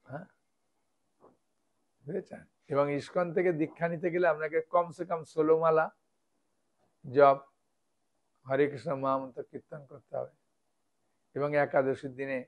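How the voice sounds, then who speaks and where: A monk preacher with a slightly high voice gives a devotional lecture, explaining things step by step and often checking in with his listeners.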